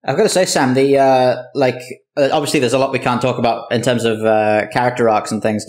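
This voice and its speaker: A man's voice: medium pitch, steady tone, a little fast, a little mellow. A man talking casually as a speaker in a roundtable discussion. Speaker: show creator, roundtable speaker.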